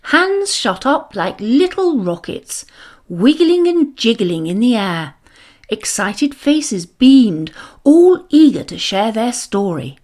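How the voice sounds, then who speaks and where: Lady reading a kids story, really animated and dramatic, takes it slow. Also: on the high side. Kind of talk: expressive children's read-along narration.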